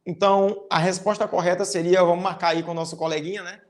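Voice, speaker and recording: Speaking fast and in a level tone, a teacher with a Brazilian Portuguese accent guides a recorded online class of fifth graders step by careful step, often ending phrases with a tag question. When reading sample sentences aloud, the intonation turns strongly exaggerated.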